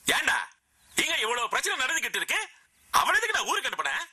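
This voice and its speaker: An actor playing a scheming, menacing rural landlord in a film comedy, mocking and threatening by turns. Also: male voice, very high-pitched, sing-song, quick pace, bright, forceful tone, slightly rough, heavily acted. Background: film music.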